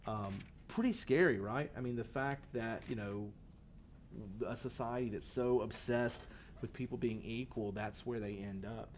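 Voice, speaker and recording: A man's voice: mid-range voice, measured pace, slight background noise. A male teacher giving a casual classroom lecture on a short story, talking in a conversational way with many fillers and restarts.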